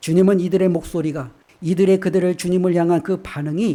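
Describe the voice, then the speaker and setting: A dark, mellow tone at a fairly quick pace. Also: man. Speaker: pastor. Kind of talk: sermon. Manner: fast.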